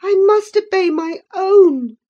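A woman voicing a passionate young woman, high and tearful, pleading and defiant. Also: slow, warm tone, lo-fi sound.

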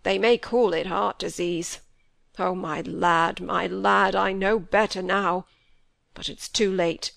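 A woman reading a grief-stricken old country squire in a rough rural dialect, her voice low and broken. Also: fairly even intonation, slow pace, fairly bright tone, no room sound, exaggerated voice. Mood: grieving. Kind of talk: audiobook character voice.

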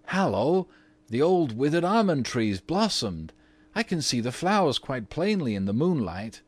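A man reading aloud, voicing an eager young boy who exclaims loudly. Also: medium pitch, very animated, unhurried, breathy edge, dry recording, voice pushed up. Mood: excited. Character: excited lively young boy twin.

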